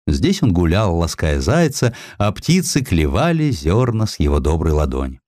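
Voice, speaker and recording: A male audiobook narrator tells history in a theatrical, measured way. His voice sits on the low side and moves with lively, varied intonation. The sound is dry, with no room on it. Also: dry recording. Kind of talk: expressive scripted historical narration.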